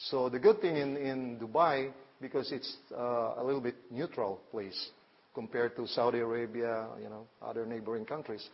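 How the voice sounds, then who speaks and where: A man with a Filipino accent speaks with fairly even intonation. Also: medium pitch for a man, moderate pace, big swings in loudness. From Philippines. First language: Filipino dialects. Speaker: guest preacher. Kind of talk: sermon. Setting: church. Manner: halting.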